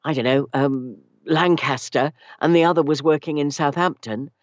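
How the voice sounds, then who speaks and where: A British woman from Wales whose first language was Welsh, speaking as an interview guest with a wry, measured way of telling stories. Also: low-pitched, no echo. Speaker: guest, actor and narration coach. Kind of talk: relaxed interview chat. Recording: dull lo-fi dry sound.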